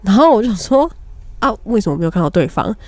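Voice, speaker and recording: A young woman with a Taiwanese Mandarin accent, a podcast co-host telling a frank dating story in casual, animated chat. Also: mid-range voice, quick pace, dry recording.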